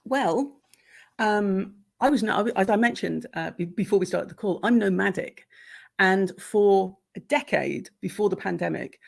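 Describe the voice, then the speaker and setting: Woman, English accent, middle-aged coach, slight gravelly fry, lively chatty guest. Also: medium pitch, a little slow. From Irish, grew up in Pakistan and Nigeria. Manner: animated, laughing, thoughtful. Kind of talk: casual conversational interview. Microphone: video call.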